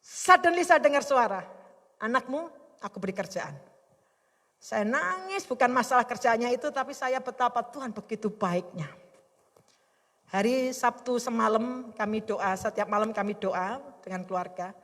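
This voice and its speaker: A woman's voice: fairly high pitch, normal speed, a bit bright. A middle-aged woman pastor preaching a sermon with emphatic, heartfelt delivery. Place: worship service in a hotel hall. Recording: long hall reverb.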